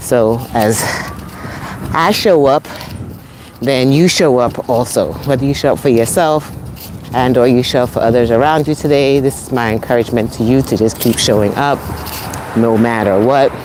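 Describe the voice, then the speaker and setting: A woman with a New York accent speaks at a very deep, low pitch with ordinary variation, pausing long and often over noticeable background noise. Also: moderate pace. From Caribbean, raised in New York. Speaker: motivational speaker and business coach. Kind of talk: live-stream motivational talk. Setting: outdoors on a walk, live stream. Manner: casual, conversational.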